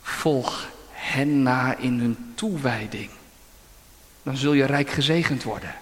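A man's voice: mid-range voice, slow pace, pitched below the performer's own voice, natural voice. A man voicing God, the Lord, giving urgent, emphatic commands in a sermon. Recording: long church-hall reverb.

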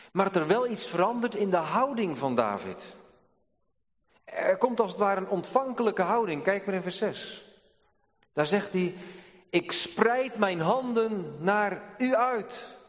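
Male pastor, sermon, slightly high voice, earnest and measured, long church reverb. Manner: earnest, measured preaching with dramatic pauses.

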